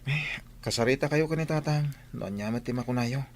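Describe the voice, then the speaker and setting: A dutiful young son in a radio drama, played by a male actor, speaks hesitantly and sounds troubled. His pitch is average, over faint background noise. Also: fairly quick, lightly acted. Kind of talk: Ilocano radio drama acting.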